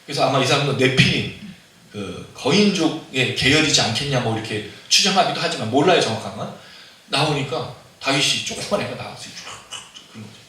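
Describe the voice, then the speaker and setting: A man's voice: medium pitch, animated, brisk, bright, forceful tone. A man preaching a sermon as pastor, talking conversationally and putting frequent questions to the congregation. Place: church sanctuary. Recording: very echoey hall, mic at a distance.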